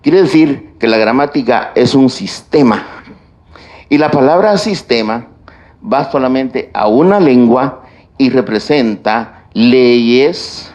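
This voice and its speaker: A man giving a university lecture on grammar, speaking deliberately and listing points one by one. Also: medium pitch, darkish tone. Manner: slow, deliberate delivery with stretched pauses and lists. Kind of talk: classroom lecture on grammar and writing.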